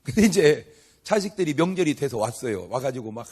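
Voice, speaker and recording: A man's voice: medium pitch, sing-song, brisk, a little mellow, slightly rough. An older man, a pastor, preaching a humorous revival sermon to a live congregation in a chatty, story-telling way, acting out dialogue and asking the crowd questions. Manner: asks the audience questions and banters with them.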